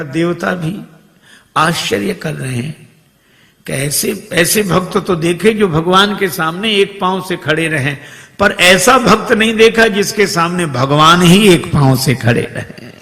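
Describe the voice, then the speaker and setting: A man preaching, telling a humorous devotional story with sung verses. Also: a little high. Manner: lively storyteller, sings verses slowly. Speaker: spiritual preacher. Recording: long hall reverb.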